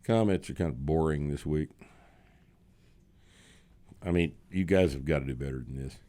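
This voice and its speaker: Blunt sarcastic man in his sixties, deep voice. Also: moderate pace, dark tone. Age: 60s. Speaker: podcast host. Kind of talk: casual chat.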